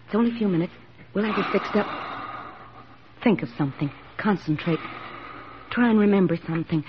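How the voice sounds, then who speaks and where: An actress playing a steady, plain-spoken army nurse lieutenant who narrates and soothes wounded men in a 1940s radio drama. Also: female voice, medium pitch, fairly quick, noisy background, natural voice. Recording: dull old radio broadcast with music.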